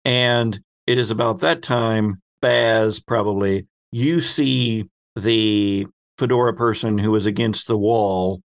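In a steady, lowish voice, a man improvises a story as game master and host. He narrates conversationally, pausing here and there when words escape him.

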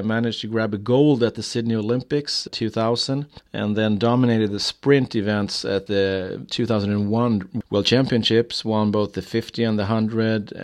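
A man from Sweden with a Swedish accent hosts an interview podcast. His voice sits fairly low, and he asks straightforward questions with the odd filler. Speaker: podcast host.

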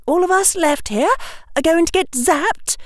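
A man's voice: very high voice, a little slow, pitched above the performer's own voice. A man reading a story, voicing a bossy, earnest young girl who commands an army of children. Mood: determined. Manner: commanding, pleading, raised voice.

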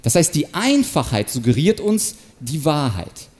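A man giving an animated, explanatory talk on manipulation and rhetoric, sometimes acting out short example quotes. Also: on the high side, unhurried. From Ukraine. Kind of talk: stage talk to an audience.

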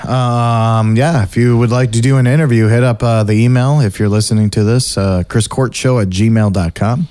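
Mellow-voiced man, rambling. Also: mid-range voice, steady tone, clear, resonant tone, no echo. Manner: rambling, halting with many fillers. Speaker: podcast host. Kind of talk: casual podcast chat.

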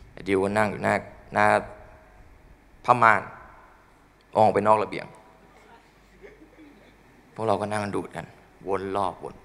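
A young man doing crude, animated stand-up storytelling on a comedy studio stage, acting out his friends' voices. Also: lowish voice, gravelly. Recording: long hall reverb.

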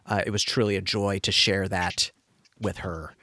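A man's voice: low voice, level tone, normal speed, bright, forceful tone, no echo. A man co-hosting a podcast in casual chat, effusive and full of fillers, with dry sarcasm. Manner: effusive, hesitant with many fillers. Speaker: podcast co-host.

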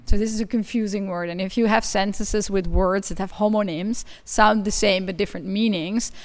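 A woman's voice: medium pitch, steady tone, moderate pace. A woman whose first language is not English, explaining her research with enthusiasm in an interview. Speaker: guest researcher. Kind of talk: conversational interview.

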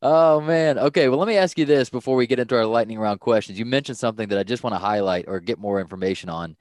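A man's voice: medium pitch, fast, a little mellow, no room sound, clean studio sound. A man hosting a podcast, asking his guest questions in a casual, conversational way. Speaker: podcast host.

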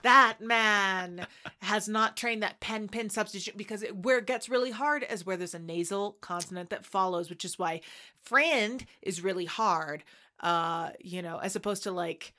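A woman from Texas co-hosting a casual film podcast, an animated and theatrical storyteller. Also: medium pitch, moderate pace. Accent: mostly neutral American with slight Texan traces. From Texas, USA. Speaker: podcast co-host. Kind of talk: casual chat about a film.

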